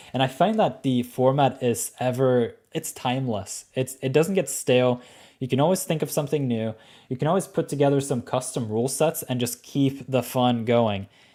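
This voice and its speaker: In a very clean recording with a silent background, a man with a Norwegian accent speaks at medium pitch and a moderate pace, with ordinary pitch variation and a dark, mellow tone. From Norway. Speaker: gaming livestreamer. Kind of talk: live gameplay commentary. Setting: livestream. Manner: casual, filler-heavy.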